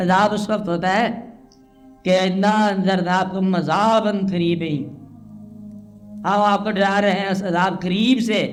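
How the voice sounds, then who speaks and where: A high-pitched man speaking in a flat monotone over music in the background. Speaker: religious scholar giving a lecture. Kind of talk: religious lecture (bayan).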